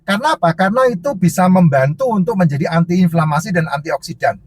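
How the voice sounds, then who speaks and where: A man's voice: high-pitched, lively intonation, fast talker, husky, no echo. A man who sells herbal drinks, answering viewer questions in casual, emphatic, repetitive advice that lists point after point.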